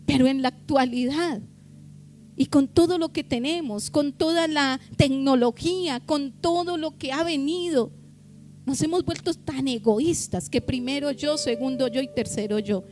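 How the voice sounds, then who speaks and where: High-voiced woman preaching with passion. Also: a little mellow. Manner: impassioned preaching with drawn-out emphatic words. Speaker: pastor. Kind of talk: sermon. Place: church.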